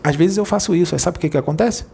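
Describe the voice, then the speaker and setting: A man with a Brazilian Portuguese accent, a spirit medium preaching informally in a playful, jokey way that rushes over his words. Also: on the high side, creaky, mellow, a little hiss or hum.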